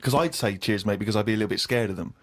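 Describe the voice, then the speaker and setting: A man co-hosting a radio show, telling a comic story in an animated, exasperated way. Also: fairly low pitch, racing. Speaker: radio co-host.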